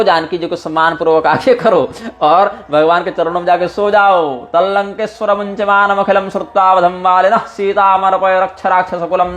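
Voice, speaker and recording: High-voiced man giving a devotional discourse. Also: fairly bright tone. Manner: chants verses slowly, then explains in plain speech. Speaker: religious storyteller.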